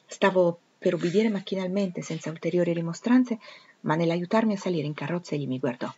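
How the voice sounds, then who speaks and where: A woman narrating a classic novel as an audiobook, in an even, careful reading voice. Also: lowish voice, fairly quick, dull audio, slight background noise. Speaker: audiobook reader.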